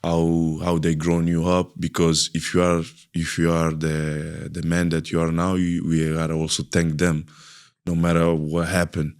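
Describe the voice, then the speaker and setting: Casting: Italian podcast host, very deep voice, non-native English, pauses to find words. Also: male voice, monotone, a little mellow, clean tone. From Italy. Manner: halting, searching for English words. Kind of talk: interview questions.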